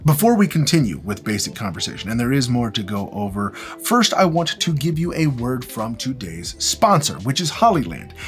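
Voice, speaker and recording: A man presenting an instructional gear demonstration in an informal, explanatory way with emphatic phrasing. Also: mid-range voice. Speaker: presenter of a film-gear tutorial. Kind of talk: instructional product demonstration with casual asides. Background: background music.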